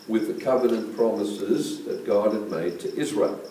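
The room's echo can be heard clearly. Within it, a man talks. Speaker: Bible teacher. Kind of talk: sermon. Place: hall.

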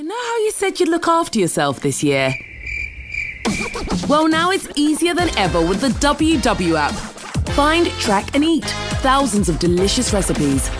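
With music playing in the background, the speaker keeps a moderate pace broken by long, frequent pauses. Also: woman. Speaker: voice actor. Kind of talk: TV commercial read.

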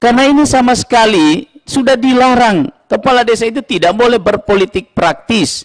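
A man's extremely high-pitched voice, with ordinary pitch variation and very even loudness over a quiet background. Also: moderate pace, hardly any pauses. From Central Sulawesi, Indonesia. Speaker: member of parliament; legislator questioning minister. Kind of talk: parliamentary questioning. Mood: firm, critical. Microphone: podium.

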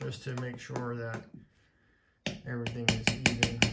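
The speech comes at a moderate pace over loud background noise. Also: man. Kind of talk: tutorial. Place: home room. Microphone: phone near.

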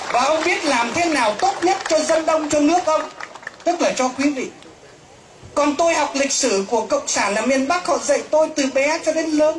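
Light background noise sits behind a man speaking at a moderate pace. His pitch is high. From northern Vietnam. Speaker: monk; speaker. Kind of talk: speech. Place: garden. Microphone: handheld.

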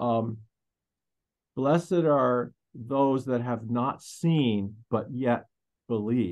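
Over a quiet background, a man talks at a very slow pace with long, frequent pauses and ordinary pitch variation. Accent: American. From United States. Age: 60s. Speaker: music composer; podcast guest. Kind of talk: casual interview. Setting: video call. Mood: reflective, spiritual, warm. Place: studio. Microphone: webcam.

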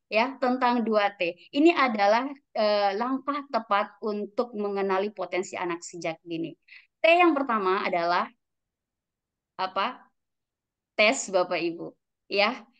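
Speaking at a fairly slow pace with long, frequent pauses, a woman uses lively intonation at a medium pitch. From Riau Islands, Indonesia. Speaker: public speaking trainer. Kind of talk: online webinar talk. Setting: video call.

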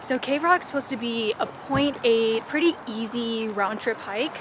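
The voice has ordinary pitch variation and a dry sound with no echo, with noticeable background noise behind it. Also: woman. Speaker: travel vlogger. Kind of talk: casual vlog chat. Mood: excited, cheerful. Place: open country. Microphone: phone near.

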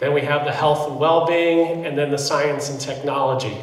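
A man's voice with audible room echo. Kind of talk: presentation. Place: hall. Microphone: handheld.

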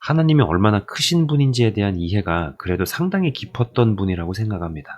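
Speaking at a moderate pace with a plain, everyday voice, a man keeps a fairly low pitch on a very clean recording with a silent background. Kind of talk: book review monologue. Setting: home video recording with camera.

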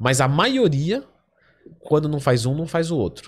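A man talks in a somewhat breathy voice, his pitch swinging very widely. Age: 30s. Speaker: fitness coach and physical educator; fitness coach, physical educator. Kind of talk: casual chat. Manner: halting, many repeated words. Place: studio. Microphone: studio mic.

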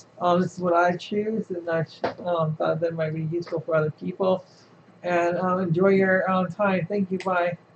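Noticeable background noise under talking at a moderate speed. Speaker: co-presenter. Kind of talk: casual chat. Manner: casual, halting with fillers.

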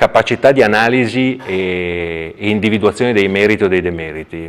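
Ordinary pitch variation marks a man's fairly low-pitched voice as he talks at a fairly slow pace. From Piedmont, Italy. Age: 40s. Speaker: regional councillor, politician. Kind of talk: TV interview. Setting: studio. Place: studio. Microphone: lapel.

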